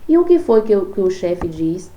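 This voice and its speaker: A woman, a native Portuguese speaker, teaching a Spanish lesson, explaining patiently and reading example sentences aloud slowly. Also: mid-range voice, sing-song, warm tone, highs cut off. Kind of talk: recorded online lesson.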